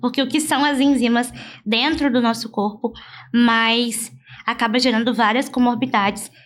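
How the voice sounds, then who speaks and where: A woman with a plain, everyday voice, fairly high in pitch, fairly even in intonation and at a fairly slow pace. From Brazil, Vitória, Espírito Santo. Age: 20s. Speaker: lawyer and public speaker. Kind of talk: interview conversation.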